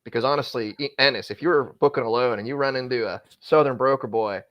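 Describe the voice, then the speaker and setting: A man's voice: mid-range voice, fast, highs cut off. A man who used to be a freight broker, giving casual, candid advice in conversation, often restarting his sentences as he talks. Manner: rambling, frequent self-restarts, candid. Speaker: former freight broker, guest.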